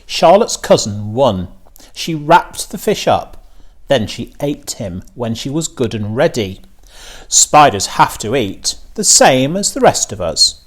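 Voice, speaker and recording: A man voicing an imaginative, stubborn young farm girl who tells stories with earnest excitement in a storybook reading. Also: medium pitch, slow pace. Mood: insistent, eager.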